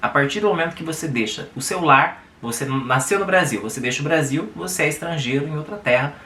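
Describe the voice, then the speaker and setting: A man's voice: a little high, fast, sharp tone, roomy sound. A Brazilian man with a Brazilian Portuguese accent, hosting his channel and reading a viewer's letter aloud with chatty commentary and tag questions. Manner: conversational, adds tag questions. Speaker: YouTube host.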